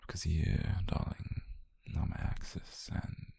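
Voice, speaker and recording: A British man playing an obsessive, possessive mafia boyfriend, calm and dangerous, in a slow, controlled, breathy half-whisper for an intimate ASMR roleplay. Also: no echo, studio quality, natural voice. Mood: possessive tenderness. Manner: slow, controlled, menacingly tender murmur. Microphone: close microphone, dry.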